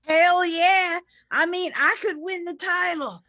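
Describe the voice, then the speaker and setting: A woman's voice: very high voice, steady tone, slow, bright, forceful tone, no room sound, clean studio sound, heavily acted. A woman playing an eager, cocky wrestler talking with a friend in a staged reading.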